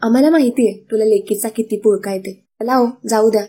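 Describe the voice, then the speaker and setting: A woman's voice: on the high side, a little fast, dark tone, slightly rough. A woman voicing a scornful older village woman who gossips and taunts. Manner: sneering, taunting.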